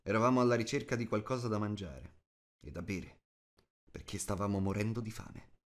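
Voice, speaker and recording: A man's voice: fairly low pitch, normal speed, natural voice. A man voicing a proud, stubborn captive dwarf in an audiobook, guarded and terse.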